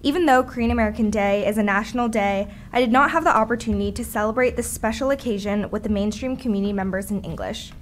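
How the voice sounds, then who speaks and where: A woman's voice: a little high, fast, hardly any pauses, slight background noise. Teenage girl reading a formal statement. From Seattle. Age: teens. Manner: earnest, formal. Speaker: public commenter.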